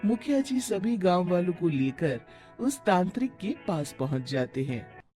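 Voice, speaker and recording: Lively, bright-toned story narrator. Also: mid-range voice, measured pace. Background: music.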